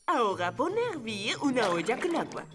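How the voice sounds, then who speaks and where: Cartoon dub: proud talking cookbook, high, lively, declamatory, Latin American Spanish. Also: female voice, moderate pace. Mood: proud, instructive. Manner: declamatory, recites instructions. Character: not human, a book. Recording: music and chimes behind.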